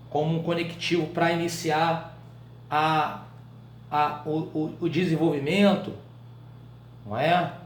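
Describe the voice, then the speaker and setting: A Brazilian man with a fairly high voice teaches a writing class. He talks in a loose, colloquial way and keeps tossing quick check-in questions to his students. The sound is echoey, as if from a bare room. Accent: Brazilian Portuguese. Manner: colloquial, animated explaining. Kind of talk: live online writing class.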